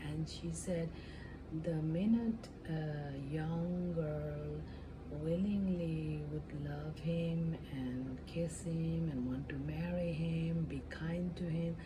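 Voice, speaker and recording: A woman speaks softly in an ASMR storytelling style, unhurried and on the low side. Her delivery is gentle and halting, hushed and close to whispering at times. A clear, steady noise sits behind her voice. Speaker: ASMR storyteller, channel host. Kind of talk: soft-spoken ASMR storytelling, improvised retelling of a fairy tale.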